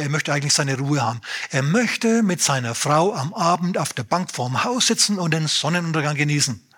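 A man preaching a lively sermon, retelling scripture in a conversational way and acting out the dialogue. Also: on the high side, slightly rough. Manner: animated, acts out dialogue in a conversational tone.

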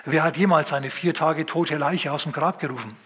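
A man with a fairly high, husky voice preaches a sermon. He retells a scripture story with vivid storytelling, lively sound words and dramatic pauses.

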